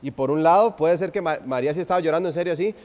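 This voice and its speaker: A man preaching an expository sermon, swinging from loud emphasis to hushed, drawn-out phrases and asking the congregation rhetorical questions. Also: fairly high pitch. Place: church sanctuary. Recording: long reverb of a church hall.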